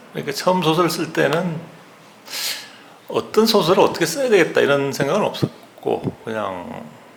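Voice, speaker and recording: Noticeable background noise and audible room echo accompany a man's voice. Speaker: novelist. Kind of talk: lecture Q&A answer.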